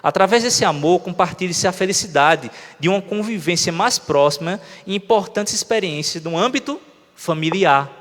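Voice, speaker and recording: A man's voice: fairly high pitch, fairly bright tone. A Brazilian man preaching a conversational sermon, often asking the congregation questions. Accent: Brazilian Portuguese. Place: church hall. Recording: long reverb of a church hall.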